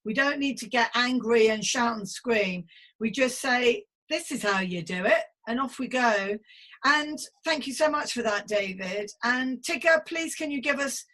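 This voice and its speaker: A woman's voice: a little high, animated, measured pace, a bit bright. A woman in her fifties hosting a casual conversational podcast interview in an effusive, chatty, playful way. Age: 50s. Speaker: podcast host.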